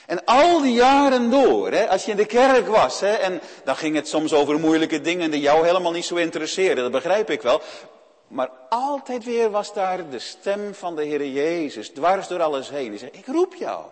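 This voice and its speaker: A man's voice: fairly high pitch, expressive, moderate pace. A man preaching a sermon, earnest and speaking directly to his listeners with frequent "hè" tags. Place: church. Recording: long church reverb.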